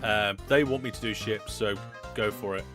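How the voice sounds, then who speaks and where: A man's voice: lowish voice, steady tone, normal speed. A man hosting a live game stream, chatting through his play, reading out viewer messages and reacting with mock alarm. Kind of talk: live gameplay commentary. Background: background music.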